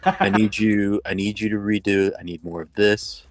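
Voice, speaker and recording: A man's voice: lowish voice, steady tone, normal speed. A man chatting as a cast guest, laid-back and a little hesitant. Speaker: voice actor guest. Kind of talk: casual chat.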